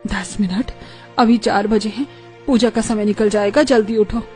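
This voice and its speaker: A woman's voice: medium pitch, fairly even intonation, moderate pace, dark tone, faint music behind, close to an everyday voice. A woman voicing a strict, traditional middle-aged mother-in-law who scolds her daughter-in-law. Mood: stern scolding. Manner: scolding, stern.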